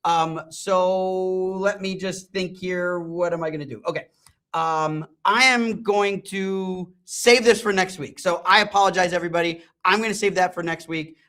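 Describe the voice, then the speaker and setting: A middle-aged man hosting a live-streamed product talk and software demo, enthusiastic and rambling, with frequent ums and restarts. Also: sits high, fairly even intonation, normal speed. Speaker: host and company CEO.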